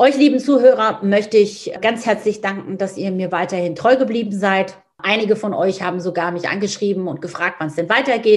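Speaking at a fairly quick pace, a woman has an ordinary speaking voice, medium pitch and ordinary pitch variation. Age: 50s. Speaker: podcast host and NLP trainer. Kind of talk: personal update monologue. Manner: warm, informal.

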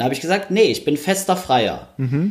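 A man speaks at a moderate pace in a fairly high, somewhat breathy voice. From Stuttgart, Swabia. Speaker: podcast co-host, freelance radio journalist. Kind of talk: casual chat.

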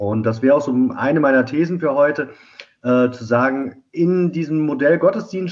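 A man at a moderate pace, with lively intonation and an ordinary speaking voice. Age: 50s. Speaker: Protestant pastor. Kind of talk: casual chat.

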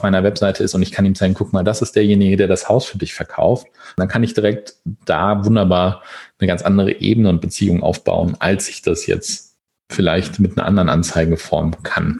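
A man with a plain, everyday voice talks at a fairly quick pace, fairly low in pitch and with fairly even intonation. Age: 20s. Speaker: photographer and filmmaker. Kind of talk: interview. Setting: video call.

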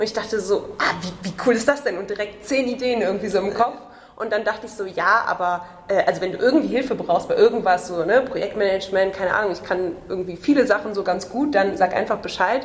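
Very fast talk from a woman at a medium pitch, ordinary pitch variation, noticeable background noise behind her. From Cologne area, Germany. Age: 30s. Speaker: children's book publisher founder, education project manager. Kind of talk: casual interview.

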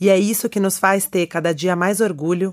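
A woman talks at a moderate pace and a medium pitch in a plain, everyday voice. The recording is very clean, with a silent background. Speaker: podcast host, business organization director. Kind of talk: scripted narration.

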